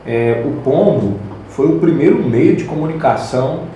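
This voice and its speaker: A man hosts a podcast, asking friendly and curious questions in a casual way. His voice is dark and mellow, and it rings out in a very echoey room with a faint background hiss. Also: medium pitch, expressive, moderate pace, lo-fi sound. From Campo Grande, Brazil. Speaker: podcast host. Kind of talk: casual interview.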